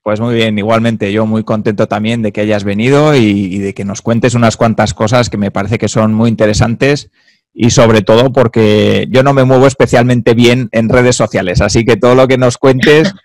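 A man in his thirties hosts an interview, friendly and clear in his phrasing. The sound is dry and close, with little room echo. He is on a webcam video call. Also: fairly low pitch, steady tone, normal speed, darkish tone. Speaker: podcast host. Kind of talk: interview host, scripted intro then conversation.

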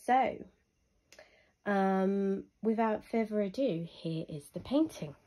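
A young woman with a husky voice from illness, giving a chatty, unhurried review with frequent ums. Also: medium pitch, lively intonation, dark tone. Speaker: hobby reviewer. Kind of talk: casual product review voice-over.

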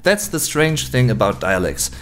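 A man's voice: medium pitch, very animated, normal speed, fairly bright tone. A man in his thirties from Germany, a native German speaker, giving a casual language lesson and musing aloud as he goes. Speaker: language video host. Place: small room indoors.

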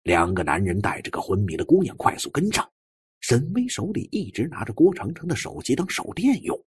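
Very husky, animated male storyteller. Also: mid-range voice, fairly quick, no echo. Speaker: audiobook narrator. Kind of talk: dramatic storytelling of a suspense novel.

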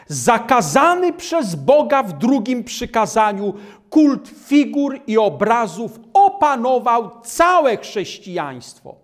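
Older male preacher, deliberate and emphatic delivery, animated pitch. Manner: slow, emphatic, gesturing at a map and holding up a booklet. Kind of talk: sermon lecture. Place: small hall with maps on the wall.

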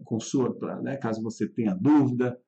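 A man teaching English in a live online lesson, speaking to viewers in a friendly way and slowing down to say model phrases clearly. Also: medium pitch, warm tone, rough recording. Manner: friendly, addresses viewers directly.

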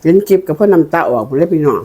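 A woman's voice: low voice, lively intonation, racing, warm tone, husky. An older woman with an Isan northeastern Thai accent chats casually and in a folksy way to her viewers as she does a mukbang eating show. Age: older, a grandmother. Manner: folksy, repeatedly addressing viewers as kin. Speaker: mukbang host.

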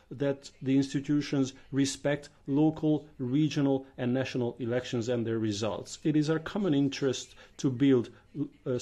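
A man giving simultaneous interpretation of debate speeches, measured and pausing often on filler sounds. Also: medium pitch, dark tone. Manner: measured, with frequent filler pauses. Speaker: conference interpreter.

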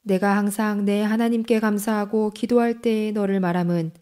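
A woman reads scripture aloud, steady and solemn. Her voice is mellow and dark-toned, at a middle pitch, unhurried from verse to verse. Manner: slow, even, solemn reading. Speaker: Bible reader. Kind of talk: scripture reading.

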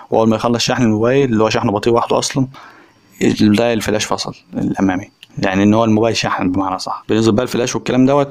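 A man with an Egyptian accent giving a casual, chatty phone review voice-over, speaking directly to viewers. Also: fairly low pitch. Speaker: tech reviewer.

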